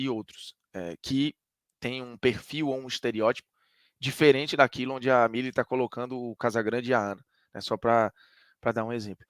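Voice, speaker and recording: A man's voice: mid-range voice, a bit bright, no echo, clean studio sound. A man from Ceará with a Northeastern Brazilian accent, a sports commentator giving an emphatic, conversational opinion monologue that argues point by point.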